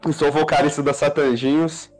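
A man's voice: fairly high pitch, level tone, normal speed, a little mellow, faint music behind. Man on a clipping, distorted mic. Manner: boastful stage-persona self-introduction. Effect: clipping, distorted blown-out mic. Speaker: podcast guest introducing himself. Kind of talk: replayed clip from an old podcast episode.

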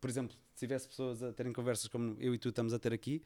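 A man in his thirties with a European Portuguese accent, talking in a relaxed, unhurried way. He tells his stories as a podcast guest, often pausing on fillers and starting sentences over. His voice sits at a medium pitch. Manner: relaxed storytelling, many fillers and restarts. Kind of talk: casual conversation.

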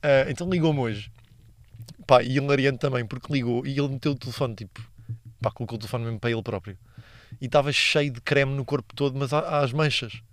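A man's voice: medium pitch, quick pace, no echo. A young man with a European Portuguese accent hosting a casual solo podcast, slangy and rambling, laughing at his own stories. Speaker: podcast host.

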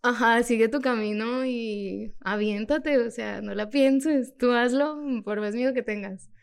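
A woman with a Mexican accent telling a personal story in a casual, animated way as a podcast guest, laughing often. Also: a little high, measured pace, gravelly, clean tone. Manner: animated, laughs often, acts out her own past lines.

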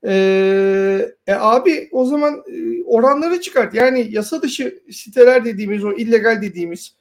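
A woman's voice: a little high, lively intonation, moderate pace. A woman co-hosting a casual talk, giving informal, sardonic commentary and explaining her points at length. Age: adult past university years. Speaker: co-host.

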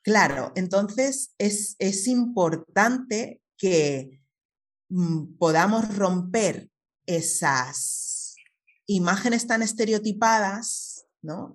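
A middle-aged woman from Spain, a guest in an interview, explaining her views earnestly at length and often checking in with tag questions. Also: mid-range voice. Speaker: guest, writer and activist. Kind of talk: conversational interview answers.

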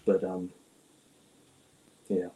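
A makeup artist on a panel, a man answering questions in a halting way, searching for words. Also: sits low, monotone, warm tone, a little hiss or hum.

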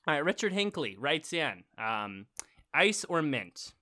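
A man's voice: on the high side, sing-song, a little slow, sharp tone. A young man co-hosting a podcast, reading listener emails aloud and rambling with lots of fillers, getting worked up about marble racing. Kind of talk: casual chat.

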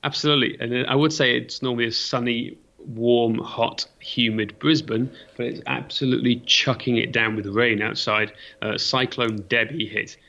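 A man's voice: mid-range voice, moderate pace, vocal fry, few pauses, dull audio. A man from mid Wales with a Welsh accent, Welsh as his first language, telling stories as a podcast guest over a video call. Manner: animated, acts out his own past thoughts. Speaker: podcast guest, fitness business owner. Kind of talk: casual storytelling interview. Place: home in Brisbane, on a video call.

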